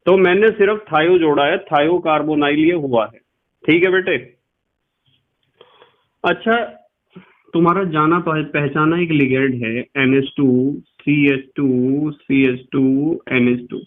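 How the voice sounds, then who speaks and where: A man's voice: fairly high pitch, fairly even intonation, measured pace, long pauses. A man teaching a chemistry class. He talks patiently, repeats key terms and spells words out letter by letter. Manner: addresses students as "beta". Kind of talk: classroom lecture to students. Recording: tinny, phone-like recording.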